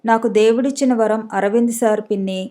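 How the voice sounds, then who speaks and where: A woman narrator voicing Visalakshi, a kind and pious older neighbour aunt who speaks in a calm, reassuring way, in a storybook reading. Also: a little high, fairly quick, lightly acted.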